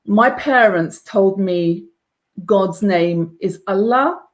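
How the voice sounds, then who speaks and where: A woman speaks at a middle pitch in a steady, earnest way. She tells her story as an interview guest, with some restarts. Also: slow pace. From England. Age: around 50. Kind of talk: personal testimony in conversation.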